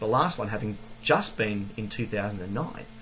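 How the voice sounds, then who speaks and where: A man speaks while noticeable background noise runs behind him. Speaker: vlogger. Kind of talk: casual monologue. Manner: hesitant, many fillers.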